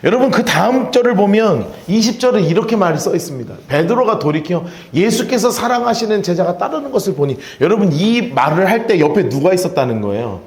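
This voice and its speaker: A man's voice: high voice, sing-song, fairly quick, hardly any pauses, a little mellow. A male pastor preaching a sermon, retelling Bible scenes and leading the congregation in call-and-response. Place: church sanctuary. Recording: echoey church sanctuary.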